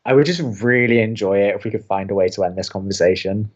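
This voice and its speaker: A man's voice: fairly low pitch, fast talker, lo-fi sound, close to an everyday voice. A young man acting as a sarcastic, easily exasperated college radio co-host in an audio romantic comedy. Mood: exasperated, baffled. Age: young adult. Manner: dry, sarcastic.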